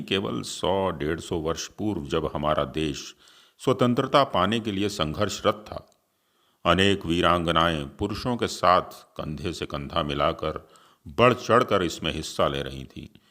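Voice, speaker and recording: A male storyteller who hosts his own channel and reads in a formal, literary style. His voice is very low and his pace unhurried and steady. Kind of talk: scripted story narration.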